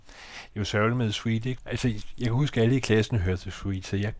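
A man from Denmark co-hosting a relaxed radio chat about music, often adding small tag questions. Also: on the low side. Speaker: co-host.

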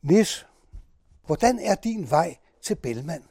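Husky, mellow-voiced male host. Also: on the high side, very animated, no room sound, studio quality. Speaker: host, interviewer. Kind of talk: scripted narration and interview questions.

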